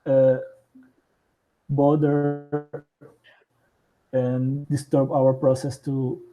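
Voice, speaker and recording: Male podcast guest, Brazilian accent, Portuguese native, unhurried and searching for words, tinny call audio. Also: medium pitch, monotone, over music. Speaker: podcast guest, house builder. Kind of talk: casual interview conversation. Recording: thin phone-like call audio.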